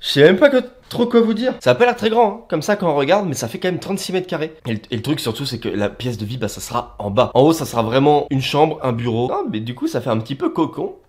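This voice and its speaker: Young man, slightly high voice, casual slangy vlog talk, filming himself with a handheld camera in unfinished attic rooms. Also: sing-song, quick pace, few pauses. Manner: slangy and chatty, laughs often between remarks. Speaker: YouTuber showing his house renovation. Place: unfinished attic rooms of a house under renovation, indoors. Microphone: handheld camera he films himself with.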